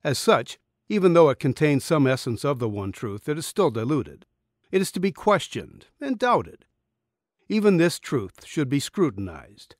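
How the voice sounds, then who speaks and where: Male narrator, middle-aged, slightly high register, earnest deliberate audiobook read, dry booth recording. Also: big pitch swings, no echo. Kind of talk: scripted audiobook narration of a spiritual essay. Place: small dim recording booth. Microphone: studio condenser microphone, close.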